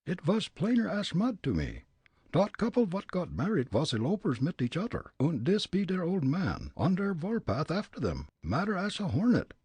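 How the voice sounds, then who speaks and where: A man's voice: sits high, huge pitch swings, moderate pace, darkish tone, husky, no room sound, pitched above the performer's own voice, heavily acted. A man reading a story and voicing a young German immigrant detective in a put-on German accent and folksy broken English. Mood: amused.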